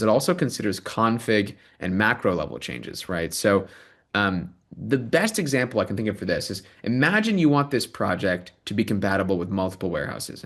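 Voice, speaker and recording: A man leading a live software demo and then interviewing a guest over a video call, talking with eager energy and many ums. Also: on the low side. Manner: animated, enthusiastic, many ums and rights. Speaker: product manager giving a demo and host.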